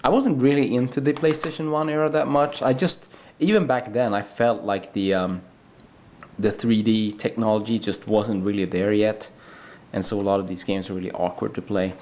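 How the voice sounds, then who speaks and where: A man's voice: lowish voice, fairly even intonation, moderate pace, darkish tone, dull audio. A young man from Sweden with a Swedish accent, talking in a casual unscripted home video and stopping often with ums and restarts. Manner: hesitant, many ums and restarts. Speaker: video creator. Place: home room.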